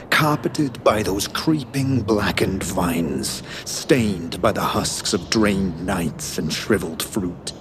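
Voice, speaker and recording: An actor playing a sinister nightmare trickster in an audio drama, telling a dark fairy tale in taunting, drawn-out, sing-song rhyme. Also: low voice, noisy background. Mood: ominous, luring.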